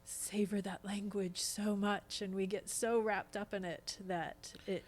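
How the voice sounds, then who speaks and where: A woman speaking as a podcast guest in a casual, conversational style. Her voice sits at an average pitch for a woman, and she explains things informally. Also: little pitch movement, measured pace. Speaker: podcast guest, stage actor.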